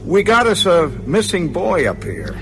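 An actor playing a folksy, unhurried small-town constable in a radio drama, with a halting way of talking. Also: male voice, sits high, wildly swooping pitch, vocal fry, exaggerated voice, rough recording. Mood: businesslike.

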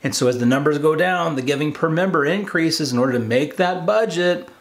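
A man's voice: a little high, a little fast, creaky. A man in his forties speaking as a preacher, earnest and emphatic, repeating phrases to drive his exhortation home. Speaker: preacher, video host. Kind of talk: sermon-like exhortation to camera. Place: home study with bookshelves, indoors.

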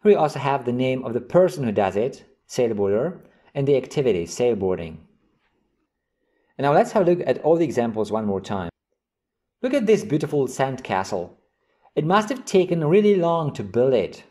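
A man hosting an English vocabulary lesson, reading example sentences and definitions slowly and clearly. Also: mid-range voice, big pitch swings, dark tone. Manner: slow, carefully enunciated reading of example sentences. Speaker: English teacher.

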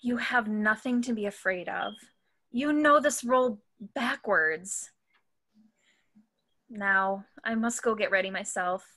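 A woman's voice: medium pitch, slow, pauses often, pushed and bright. A young woman acting a worried, frank and loyal close friend in a dramatic staged reading. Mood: reassuring. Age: young adult. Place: room at home. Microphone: computer mic on video call.

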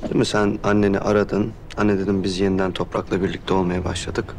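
An actor playing a stern, protective young man who speaks in a flat, guarded way. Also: deep voice, quick pace, a little hiss or hum. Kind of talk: television drama acting. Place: hotel meeting hall.

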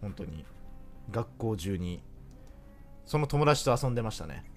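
Over soft background music, a man with a lowish voice plays a video game and jokes his way through it, teasing and addressing both himself and viewers. He sounds very animated but unhurried.

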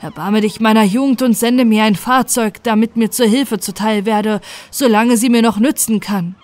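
A woman's voice: on the high side, fairly even intonation, normal speed, a little mellow, natural voice. A woman voicing a desperate young shipwrecked man, pleading and lamenting in a bedtime fairy tale.

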